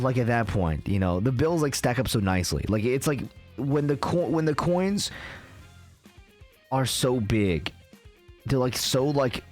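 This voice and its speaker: A young man from Canada ranting casually on a live stream, swearing often and filling his talk with "like". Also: mid-range voice.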